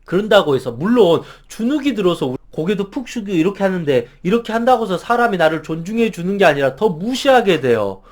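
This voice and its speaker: A man's voice: sits high, sing-song, a little fast, few pauses, darkish tone. A middle-aged man giving an earnest advice lecture as a counselor, stressing his points emphatically. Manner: earnest, emphatic, acts out example phrases.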